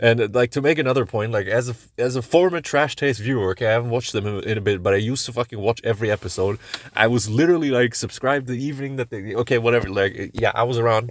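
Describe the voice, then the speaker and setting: Talking at a very fast pace with hardly any pauses, a man with a German accent has an animated tone, medium pitch, and ordinary pitch variation. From Germany. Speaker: YouTuber. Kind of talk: rant. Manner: animated, swearing-heavy with many stumbles.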